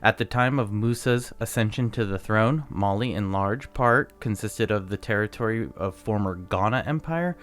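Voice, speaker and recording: Young male podcast co-host, low voice, loose storytelling with stumbles, faint music bed. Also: moderate pace, few pauses, a bit bright. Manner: reads facts aloud with stumbles, laughs at his own pronunciations. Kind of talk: casual storytelling chat.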